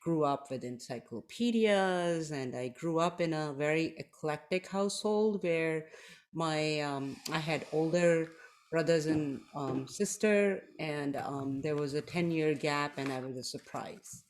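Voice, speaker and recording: A middle-aged woman from Pakistan speaks in an English, unhurried and measured. She pauses often and fills gaps with soft ums, like a podcast co-host looking back on her life. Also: sits low. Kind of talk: casual podcast chat.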